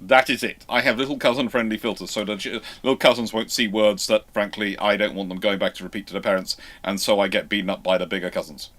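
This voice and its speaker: A man's voice: on the low side, steady tone, fairly bright tone. Rambling man hosting a live stream. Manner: rambling, halting with repeated false starts; over-careful emphasis on some words. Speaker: host of live naval history Q&A stream. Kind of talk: live-stream Q&A, informal explaining.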